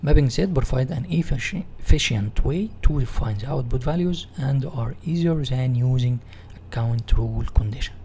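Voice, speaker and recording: A man with an Egyptian Arabic accent teaches in a mellow, mid-pitched voice. He reads out material and rephrases it in non-native English, like a software tutorial. There is faint noise on the recording. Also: normal speed, hardly any pauses. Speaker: instructor. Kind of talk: software tutorial reading slides and explaining.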